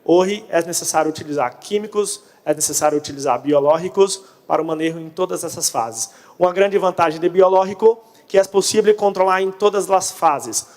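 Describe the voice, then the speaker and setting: A man's voice: high-pitched, brisk, hardly any pauses, a little mellow. A Brazilian man, a native Portuguese speaker, giving a conference presentation in Portunhol, a mix of Portuguese and Spanish. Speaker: conference speaker on pest control. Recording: echoey hall, long reverb.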